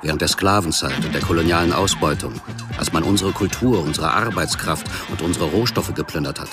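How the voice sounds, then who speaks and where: A man's voice: low-pitched, brisk, natural voice. An actor playing a cynical, defiant male internet scammer in a radio drama, matter-of-fact and self-justifying. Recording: music under the voice. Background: music.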